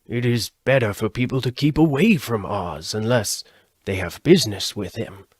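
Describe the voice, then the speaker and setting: A man's voice: on the low side, normal speed, husky, no room sound, clean studio sound. A man voicing a grave, cautious country dweller from a storybook, giving solemn warnings. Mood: grave, cautioning. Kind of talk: storybook character voice.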